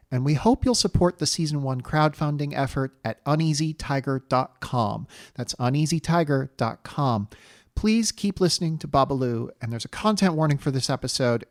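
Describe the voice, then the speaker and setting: A man's voice: mid-range voice, dry recording, studio quality. A man reading a scripted promotional announcement as a podcast host. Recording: prominent music behind. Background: music.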